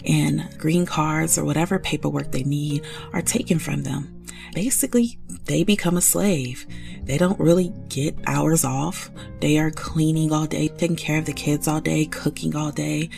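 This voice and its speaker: A woman's voice: sits low, creaky, a little mellow. A woman hosting a true-crime podcast, talking through a case in a conversational way, thinking aloud with frequent asides. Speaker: podcast host.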